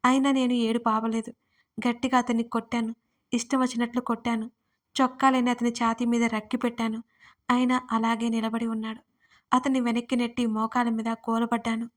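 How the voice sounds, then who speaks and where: A woman narrating an emotional first-person audio story with a dramatic storytelling manner. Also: fairly high pitch.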